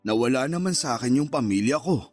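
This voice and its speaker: This is a humble ex-convict father in a radio drama, played by a man. He speaks softly and with regret, at a middle pitch, over faint background music. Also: lively intonation, quick pace, natural voice. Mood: remorseful. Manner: soft-spoken, apologetic and humble. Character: remorseful middle-aged father, newly freed from prison. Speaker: father character. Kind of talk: Tagalog radio drama acting.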